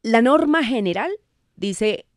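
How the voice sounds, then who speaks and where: A woman's voice: a little high, expressive, takes it slowly, dry recording. A Colombian woman explaining spelling rules patiently as a guest on a radio show, speaking in a studio. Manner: patient, didactic, laughs easily.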